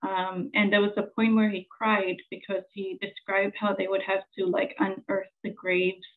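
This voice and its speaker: Samoan woman presenter in her forties, earnest and halting, flat monotone, phone-thin sound. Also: mid-range voice, narrow, tinny audio. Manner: earnest, halting with many fillers. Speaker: journalist presenter. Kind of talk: conference presentation.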